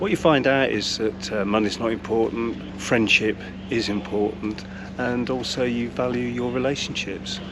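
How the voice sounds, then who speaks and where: The speaker goes at a moderate pace with ordinary pitch variation, with audible room echo and noticeable background noise. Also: man, medium pitch for a man. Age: 60s. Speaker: ultra runner. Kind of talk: interview. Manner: halting.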